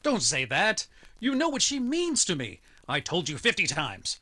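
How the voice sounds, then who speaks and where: An actor playing an insistent, lovesick rich client in an old-style noir radio drama, pleading and emphatic. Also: male voice, sits high, wildly swooping pitch, normal speed, bright, forceful tone, husky, heavily acted. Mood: defensive, pleading. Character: desperate, lovesick self-made rich male client.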